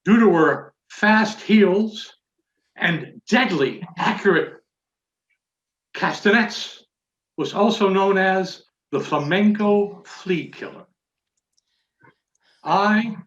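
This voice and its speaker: A man telling a mock-serious tall tale as a theatrical storytelling speech, with dramatic pauses and deliberate phrasing. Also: high-pitched, fairly bright tone. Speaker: Toastmasters contest speaker telling a tall tale. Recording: echoey room, dull muffled audio.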